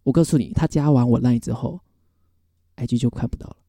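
A man's voice: medium pitch, a little fast, no room sound, clean studio sound. A young man with a Taiwanese Mandarin accent co-hosting a podcast, telling a story bluntly with lots of swearing and imitated voices. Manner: animated storytelling, blunt and profane, mimics others' voices. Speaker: podcast co-host. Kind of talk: casual chat.

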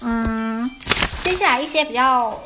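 A woman's voice: a little high, expressive, unhurried, background noise. A young woman hosts a casual podcast lesson. She explains things step by step and often corrects herself mid-sentence. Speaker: podcast host. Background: faint traditional Irish music.

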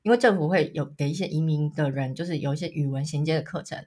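Husky-voiced chatty Taiwanese woman. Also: deep voice, fast talker, dark tone. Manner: chatty storyteller, laughs often. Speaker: podcast co-host. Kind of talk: casual chat.

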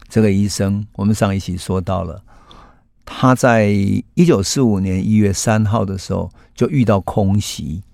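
Low creaky male storyteller. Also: warm tone, no echo, clean studio sound. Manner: unhurried, reflective storytelling. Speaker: host and storyteller. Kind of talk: historical storytelling podcast.

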